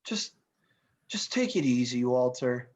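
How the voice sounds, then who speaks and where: A woman's voice: rumbling low, animated, slow pace, a little mellow, full character voice. A woman acting a laid-back but exasperated male slacker in a script read, casual, hesitant and sweary. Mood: weary, placating. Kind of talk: acted table read of a film script.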